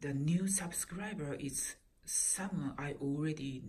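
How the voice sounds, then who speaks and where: A woman's somewhat breathy voice with a dark, mellow tone, a Japanese accent, ordinary pitch variation and audible room echo. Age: 40s. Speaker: YouTuber and Airbnb host. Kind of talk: casual vlog monologue. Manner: halting, many fillers.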